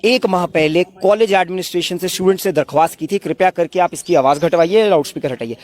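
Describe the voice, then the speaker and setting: A man's voice: high-pitched, quick pace, a little mellow, no room sound. A man making an impassioned, emphatic statement to reporters at a protest, full of indignant rhetorical questions. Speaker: protest spokesman.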